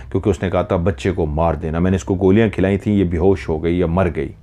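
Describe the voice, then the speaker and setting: A man's voice: low-pitched, warm tone. A man with a Pakistani Urdu accent narrating a horror story dramatically, voicing each character himself.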